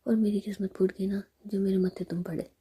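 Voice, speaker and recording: A woman's voice: mid-range voice, little pitch movement, a little fast, warm tone, breathy edge. Woman whispering as a playful, anxious young bride-to-be.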